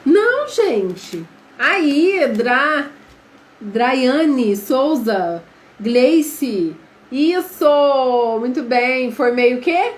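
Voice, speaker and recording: Her high-pitched, expressive voice drawing out words, a Brazilian woman with a Brazilian Portuguese accent leads a live online class. She chats, addresses her viewers as "gente," and quizzes them, in an echoey room with faint noise behind her.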